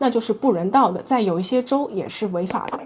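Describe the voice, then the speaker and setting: With noticeable background noise, a woman talks at a fairly quick pace with lively intonation. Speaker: gun educator YouTuber. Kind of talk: educational talk to camera.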